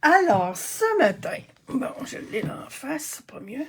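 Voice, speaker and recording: This woman talks at a very slow pace. Noticeable background noise runs under her voice. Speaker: craft video creator. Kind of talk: crafting tutorial; casual chat. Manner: hesitant, many fillers.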